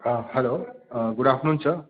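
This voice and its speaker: Man, medium pitch, polite halting questioner, thin phone audio. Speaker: investor asking questions. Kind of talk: earnings call questions. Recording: narrowband phone line.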